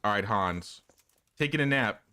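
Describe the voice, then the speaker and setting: A man's voice: fairly low pitch, lively intonation, measured pace, pushed and bright, clear, resonant tone. Chatty man streaming a game. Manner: chatty, talks to chat while playing. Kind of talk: casual gameplay commentary.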